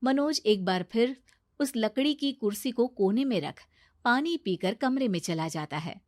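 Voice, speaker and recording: A woman narrating a cartoon story in a steady, plain storytelling manner. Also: a little high, measured pace, dry recording, clean studio sound.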